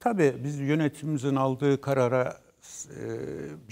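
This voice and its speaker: Against a quiet background, a man talks at a moderate pace. His intonation stays fairly even. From Turkey. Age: 60s. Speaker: former football coach. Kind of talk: interview. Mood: earnest, somewhat aggrieved. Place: studio. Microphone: lapel.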